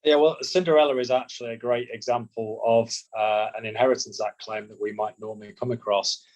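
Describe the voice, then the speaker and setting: A man answering as a solicitor, measured and explanatory, often repeating words as he restarts. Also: medium pitch, fairly even intonation, a little mellow, lo-fi sound. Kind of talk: expert interview answers.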